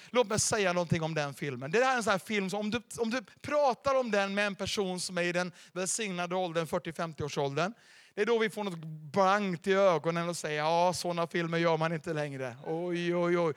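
Middle-aged pastor guy preaching, high voice, big loud-soft swings, dry close sound. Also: clean tone, no echo. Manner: lively, dramatic delivery with sudden loud and soft swings. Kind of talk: sermon. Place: church.

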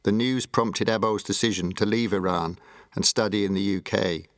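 A man delivers scripted announcer narration in a fairly low voice. The sound is very dry, with no room around it. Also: steady tone, moderate pace, dry recording.

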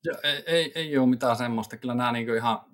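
A man co-hosting a casual podcast chat, talking in a relaxed, rambling way with lots of fillers. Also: mid-range voice. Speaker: podcast co-host living in Japan.

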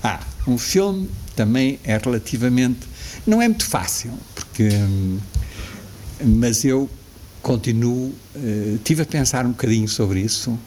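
His medium-pitched voice has lively intonation and moves a little slowly. He is a sixties-aged man with a European Portuguese accent, reflecting as a guest in a relaxed interview, restarting sentences often and laughing softly. A slight hiss or hum runs underneath.

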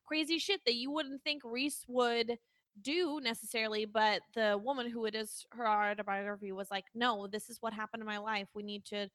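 A woman's voice: on the high side, steady tone, moderate pace, fairly bright tone, no echo. A woman co-hosting a podcast, chatting casually about movies with playful teasing and the odd swear word. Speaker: podcast co-host.

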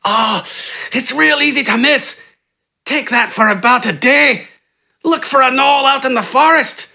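A man voicing a cowardly, injured bandit who whimpers, gasps in pain and pleads in a high, strained voice. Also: flat delivery, unhurried, bright, forceful tone, full character voice. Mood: panicked pleading. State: in pain, gasping.

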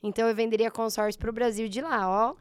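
A slightly hoarse woman in her thirties with a Brazilian accent, telling her story in a casual interview and acting out her past thoughts. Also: a little high, steady tone, quick pace, no echo, clean studio sound. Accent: Brazilian Portuguese. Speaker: guest, entrepreneur.

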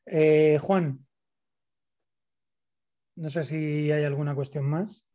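A man's voice: fairly high pitch, steady tone, extremely slow, warm tone, muffled recording. A man with a Spanish accent from Spain, moderating and talking casually in a seminar discussion.

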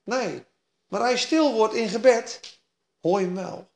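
Woman, preacher, sermon, emphatic, quiet asides and excited bursts, echoey room. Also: on the high side, measured pace.

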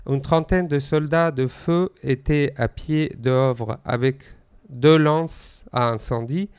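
A man's voice: medium pitch, slow, a little mellow, smooth. A man whose first language is Arabic, reading a news item on a talk show with some hesitations. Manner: reads with hesitations and fillers. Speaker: news segment presenter.

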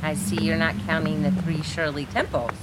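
A woman's voice: low-pitched, flat delivery, moderate pace, natural voice. An actress playing a middle-aged wife and mother in a naturalistic audio drama. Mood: dryly teasing. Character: middle-aged wife and mother, dryly teasing, easily alarmed. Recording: loud outdoor wind and street noise.

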